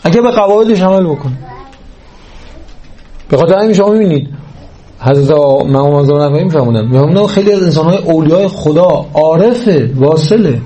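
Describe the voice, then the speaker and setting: A man's voice: a little high, animated, mellow, rough recording. A man giving a religious lecture on parenting to a live audience, speaking earnestly and checking in with his listeners through rhetorical questions.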